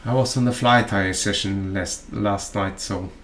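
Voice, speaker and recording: A man from Norway with a Norwegian accent, narrating a fly-tying tutorial in a halting, chatty way full of fillers and asides. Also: on the low side, steady tone, a bit bright, a little hiss or hum.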